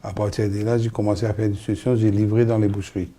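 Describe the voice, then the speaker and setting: Older man from Mauritius, flat and deep. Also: fast talker. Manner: short plain sentences, simple phrasing. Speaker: guest, company founder. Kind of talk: interview answers.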